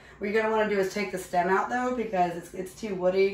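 With audible room echo, a woman speaks at a very fast pace in a fairly even intonation. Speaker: home cook host. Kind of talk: casual cooking tutorial. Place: kitchen. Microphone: camera far.

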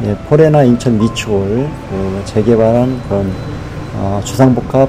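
Music plays in the background as the voice proceeds at a fairly slow pace. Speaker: walking tour vlogger. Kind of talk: casual narration. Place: street. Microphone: phone near.

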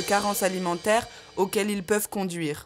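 A woman talks at a moderate pace with fairly even intonation. She has an ordinary speaking voice. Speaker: voice-over narrator. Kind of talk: educational health narration.

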